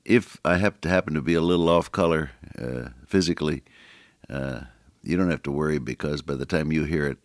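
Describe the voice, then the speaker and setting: A male radio Bible teacher with a slightly gravelly voice, reading scripture aloud with rising emphasis and folksy asides. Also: very deep voice, fairly quick, no echo, studio quality.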